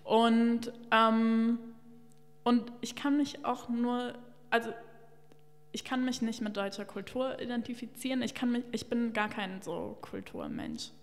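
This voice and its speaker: A young woman with a fairly high voice speaks frankly into a stand mic as a podcast guest. Her talk is casual and full of fillers, and she gives her opinions openly. The bare room adds a long trailing reverb. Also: measured pace. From Luxembourg. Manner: candid, opinionated, lively with many fillers. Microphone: studio mic on a stand.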